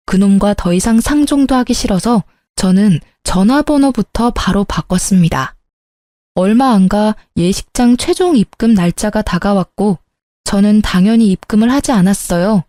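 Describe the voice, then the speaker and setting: A woman's voice: mid-range voice, no echo. Brief: woman narrator, dramatic scripted story, dry studio sound. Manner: dramatic, sharp-tongued first-person telling.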